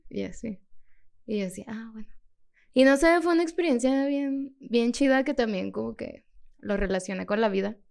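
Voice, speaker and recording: Mexican woman chatting on a podcast, higher voice with lots of fry, lively storyteller. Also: moderate pace. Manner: animated, laughs often, acts out her own past lines. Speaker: guest. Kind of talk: casual storytelling.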